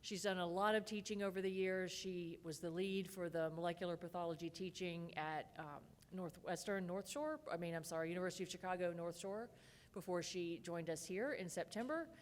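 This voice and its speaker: Woman introducing a speaker in a hall. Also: lowish voice. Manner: warm, brisk, occasional self-corrections. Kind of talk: formal introduction. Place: lecture hall. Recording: reverberant lecture hall.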